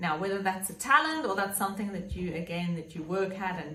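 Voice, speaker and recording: A woman talks at a medium pitch with an Afrikaans South African accent. Room echo can be heard. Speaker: vlogger. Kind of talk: livestream monologue. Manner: casual and animated.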